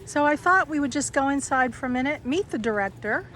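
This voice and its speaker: A woman's voice: sits high, lively intonation, a little fast, a bit bright, a little hiss or hum. A chatty woman hosting a casual campground interview, given to exclaiming as she asks questions. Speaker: vlogger interviewer. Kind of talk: casual on-camera interview chat.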